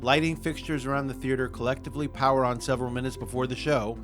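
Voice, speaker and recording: Male podcast host, mid pitch, casual read-aloud with stumbles and laughs, faint music behind. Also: steady tone. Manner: reads haltingly, stumbles over words, laughs often.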